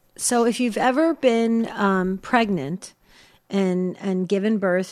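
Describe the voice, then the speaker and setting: Speaking with an American accent, a woman uses an ordinary speaking voice at a medium pitch with ordinary pitch variation. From New Jersey. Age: 50s. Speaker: radio host. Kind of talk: call-in radio show.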